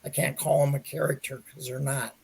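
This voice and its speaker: A mature man answering interview questions as a theater director, in a measured, conversational way with pauses to think. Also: medium pitch, flat delivery, vocal fry, darkish tone, a little hiss or hum.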